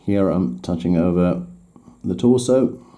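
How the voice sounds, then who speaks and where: A man's voice: low-pitched, unhurried, dark tone. A man whose first language is Swedish, talking through a miniature painting tutorial in English, hesitant and stopping to correct himself as he works. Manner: hesitant, restarts while working.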